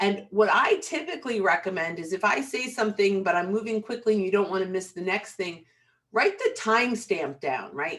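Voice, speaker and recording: Here a woman speaks at a medium pitch and a moderate pace. Her intonation is lively. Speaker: LinkedIn sales trainer, webinar presenter. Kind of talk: webinar presentation. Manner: animated.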